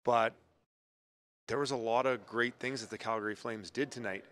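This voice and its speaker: A man's voice: medium pitch, normal speed. Man analyst breaking down hockey plays. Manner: relaxed, explains plays with hockey terms. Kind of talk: sports post-game analysis. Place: TV studio desk. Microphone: handheld mic.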